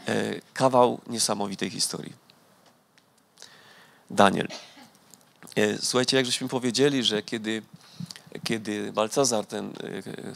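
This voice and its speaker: Casting: male preacher, gravelly, reads scripture then teaches, checks in with his flock. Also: fairly low pitch, fairly bright tone. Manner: addresses listeners with "Amen?" and filler "e". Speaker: pastor. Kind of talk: sermon with Bible reading.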